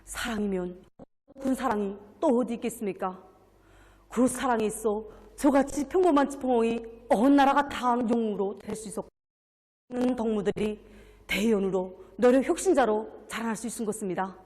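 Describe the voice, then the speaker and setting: A woman's voice: a little high, normal speed, a little mellow. North Korean woman testifying in an echoing hall. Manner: earnest, reverent. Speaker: factory worker being interviewed. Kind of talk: rehearsed formal testimonial. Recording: long echoing room reverb.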